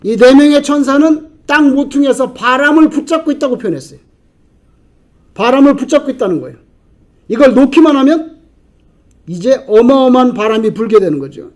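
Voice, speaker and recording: A middle-aged man from South Korea preaching a sermon as pastor, telling stories with animated swings and sudden quiet asides. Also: very high voice, brisk.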